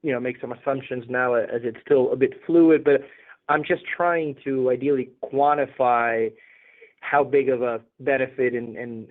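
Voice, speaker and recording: A man calling in as a financial analyst, asking polite questions in a halting, hesitant way. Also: medium pitch. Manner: hesitant, halting, repeats words. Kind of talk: polite question on a conference call. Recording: tinny narrow phone line.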